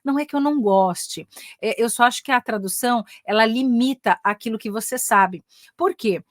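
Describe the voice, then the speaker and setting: In a relaxed online class, a chatty middle-aged Brazilian English teacher and career mentor speaks with a Brazilian Portuguese accent, frequently adding "né?" and pushing her points with eagerness. Her pitch is fairly high and her pace moderate, captured in a dry, clean studio recording.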